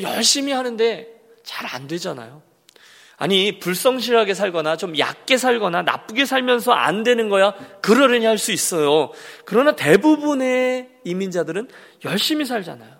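Male pastor, gravelly high voice, emphatic sermon delivery, hall reverb. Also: fairly bright tone. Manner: emphatic, repetitive preaching with rhetorical questions to the congregation. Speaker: senior pastor.

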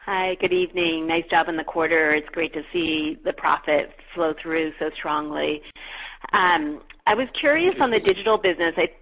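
A woman's voice: low voice, normal speed. A woman asking questions conversationally as a financial analyst on an earnings call. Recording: slightly dull call line.

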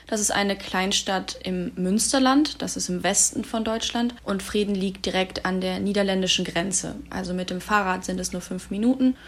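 A woman in her early twenties from Germany, a volunteer talking calmly and thoughtfully in a casual podcast discussion. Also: mid-range voice, moderate pace, few pauses. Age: 20s.

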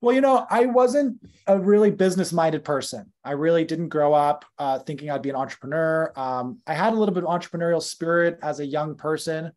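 Talkative North American man, slightly high voice. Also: a little fast, hardly any pauses, darkish tone. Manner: conversational, with fillers and self-corrections. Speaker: podcast guest, company founder. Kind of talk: casual podcast interview.

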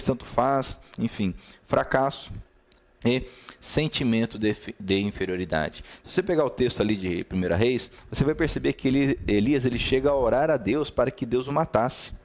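A man's voice: mid-range voice, darkish tone. A man with a Brazilian Portuguese accent preaching in a live-streamed devotional talk. He talks conversationally, repeats key words in lists and greets viewers by name between points.

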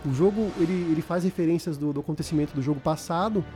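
A man's voice: on the high side, fast, dark tone, faint music behind. A man with a Brazilian Portuguese accent explaining a video game in casual, informal podcast talk, repeating words as he goes.

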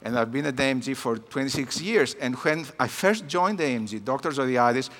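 A man's voice: medium pitch, lively intonation, a little fast, fairly bright tone, big-room sound. A man of about fifty with a Greek accent, a native Greek speaker giving a personal talk at a church conference, with many hesitant fillers. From Greece. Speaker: guest missions speaker. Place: church hall.

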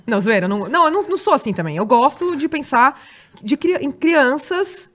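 A woman's voice: sits high, expressive, brisk, a bit bright. A young woman, a guest on a casual chat, playful and jokey as she talks.

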